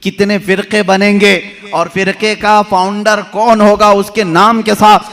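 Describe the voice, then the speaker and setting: A man's voice: high voice, flat delivery, a little slow, fairly bright tone. A man giving an impassioned sermon, telling stories and reciting verse in a voice. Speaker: preacher.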